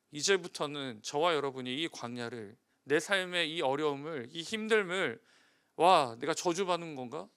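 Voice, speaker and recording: A male pastor giving a sermon, asking the congregation rhetorical questions and moving between emphatic, louder passages and quiet, hushed ones. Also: on the high side, smooth.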